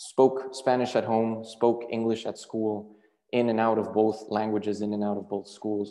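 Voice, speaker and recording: An American accent from a man, fairly low in pitch, with a dark, mellow tone, monotone, flat intonation and a moderate pace. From Texas (El Paso), US. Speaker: English teacher. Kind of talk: webinar talk. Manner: hesitant, many fillers.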